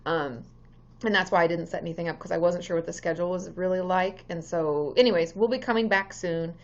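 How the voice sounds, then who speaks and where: Greeting viewers by name with frequent ums, a therapist in her thirties chats casually during a live stream. Her voice is lowish and slightly hoarse, and she speaks a little fast. The sound is dull.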